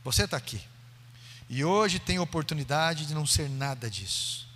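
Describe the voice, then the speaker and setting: Bright-voiced Brazilian preacher in a reverberant church. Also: male voice, fairly high pitch, animated, moderate pace. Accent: Brazilian Portuguese. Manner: dramatic storytelling, acting out quoted voices. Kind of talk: sermon. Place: church sanctuary. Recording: long church hall reverb.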